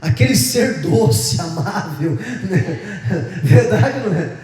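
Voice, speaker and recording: A man's voice: high voice, lively intonation, slow pace, a little mellow. A Brazilian man preaching a sermon as pastor, in a chatty, joking storytelling manner, in a large church. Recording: echoey church from a distance.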